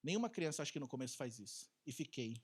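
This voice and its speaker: A man with a Brazilian Portuguese accent preaches to his church in a loose, conversational way. He keeps asking the congregation questions and tells stories from his own life. His voice drops into quiet asides and then rises into loud, high bursts. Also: quick pace, breathy edge. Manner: animated, with rhetorical questions to the congregation; swings between soft low asides and loud high bursts. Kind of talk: conversational Sunday sermon.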